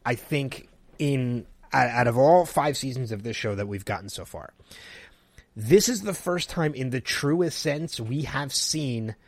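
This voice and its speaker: A man co-hosting a podcast, excitedly recapping TV episodes in casual chat with restarts. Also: mid-range voice, no room sound. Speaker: podcast co-host.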